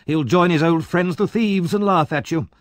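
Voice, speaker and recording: A man doing a scoffing, fierce old gentleman. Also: a little high, normal speed, dry recording, studio quality, pitched above the performer's own voice, close to an everyday voice. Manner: gruff, scoffing.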